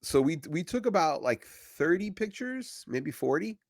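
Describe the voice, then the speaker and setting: A man's voice: a little high, sing-song, normal speed, gravelly, no room sound, studio quality. A man co-hosting a podcast, telling stories animatedly, stammering at times and acting out quotes. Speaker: podcast co-host. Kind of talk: casual chat, storytelling.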